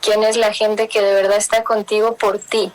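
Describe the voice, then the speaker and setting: A woman's voice: mid-range voice, flat delivery, moderate pace, a little hiss or hum, low-quality recording. A young woman with a Mexican-tinged Spanish accent, telling family stories in a casual interview and slipping in English words. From Miami. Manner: warm storytelling, mixing in English words, laughs often. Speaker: interview guest.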